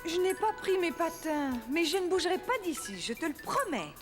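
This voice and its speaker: A gentle cartoon mum with a high voice. She speaks patiently and soothingly to a small child, with music clearly underneath. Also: sing-song, moderate pace. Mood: reassuring. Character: gentle, reassuring young mother of a small boy.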